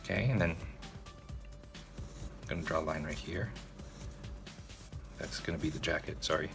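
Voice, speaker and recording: A man's voice: rumbling low, fairly even intonation, moderate pace, vocal fry, over music. A man hosting a narrated drawing tutorial, talking casually to viewers and checking in with them often. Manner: casual, addresses viewers directly, frequent "okay?" check-ins.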